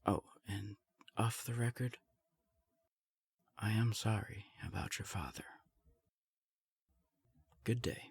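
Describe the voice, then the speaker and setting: A man playing a formal vampire elder in an audio drama, measured and dryly condescending. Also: lowish voice, vocal fry, breathy edge, dry recording, exaggerated voice. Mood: coolly formal.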